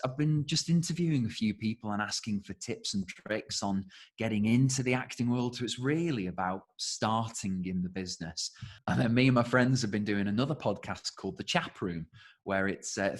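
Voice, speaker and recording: A British man chatting casually as an interview guest, speaking as a voice actor would about his work. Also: fairly low pitch.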